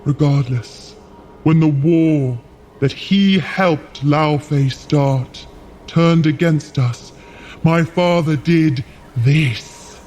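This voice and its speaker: A man playing a solemn, idealistic, weary frost giant in an audio drama, speaking in grave, measured storytelling. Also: on the high side, a little mellow, soft background music. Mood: somber, reflective. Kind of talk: scripted audio drama acting.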